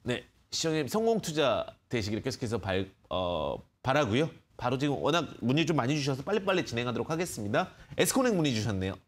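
A man's voice: mid-range voice, big pitch swings, fast talker, few pauses. A man hosting a live phone-in stock show, patiently explaining prices to callers with many fillers. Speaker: stock market expert host.

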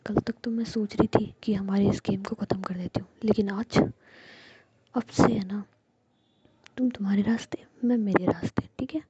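A woman's voice: mid-range voice, fairly even intonation, moderate pace, dark tone, no room sound, dull audio. A woman voicing a hurt, jealous young woman with snappy, sulking retorts, in a whispered role-play. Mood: sulky. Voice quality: breathy whisper.

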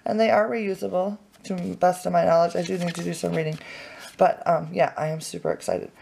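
A woman vlogger chatting excitedly at home as she unboxes craft supplies, with lots of fillers. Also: on the low side, fairly quick, creaky, slight background noise, rough recording. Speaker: family vlogger. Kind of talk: casual unboxing chat. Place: home, indoors at a table.

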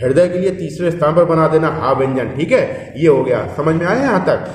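In this classroom lesson on shorthand, a Hindi-accented man gives step-by-step explanations and frequently checks on his students' understanding. He speaks fairly quickly, with an animated, slightly high voice. The sound is distant and echoey, with a faint hiss or hum.

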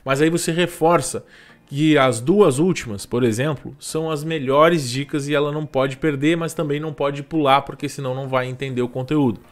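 A man in his thirties with a Brazilian Portuguese accent, giving relaxed, chatty channel advice on a live stream and tossing in quick tag questions. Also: fairly high pitch. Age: 30s. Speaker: YouTube growth coach hosting a live stream.

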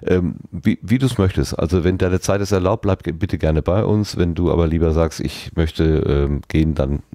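A man's voice: sits low, normal speed, dark tone, dry recording, studio quality. A man casually moderating a podcast conversation as its host.

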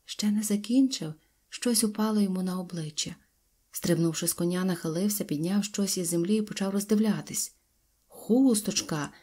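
Husky-voiced woman reading a fairy tale. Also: medium pitch, brisk. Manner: expressive, dropping to whispers at tense moments. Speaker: audiobook narrator. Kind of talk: storybook narration.

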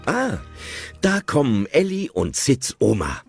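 Man narrating a kids audio play, slow and very sing-songy, music under. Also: mid-range voice, wildly swooping pitch, vocal fry, slightly rough. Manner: chatty, wondering.

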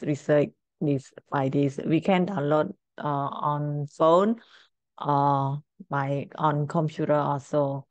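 A middle-aged woman with a Cambodian accent, a native Khmer speaker, teaching informally in halting, simple English. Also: low-pitched, darkish tone, dry recording. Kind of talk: informal screen-share language lesson.

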